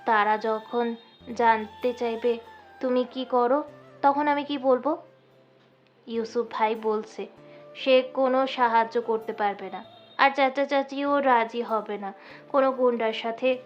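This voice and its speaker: A frightened, timid young woman, voiced by a woman narrator, pleading in a slightly high voice. The recording is muffled and dull, with music playing underneath. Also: close to an everyday voice. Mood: fearful. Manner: timid, pleading, quick to defend herself. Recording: muffled audio with background music.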